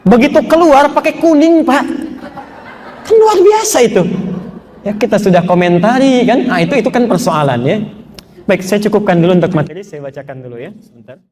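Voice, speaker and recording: A man's voice: sits high, lively intonation, brisk, crowd noise. A male preacher telling a family story in a sermon, asking the audience questions as he goes. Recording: reverberant hall with faint ambience.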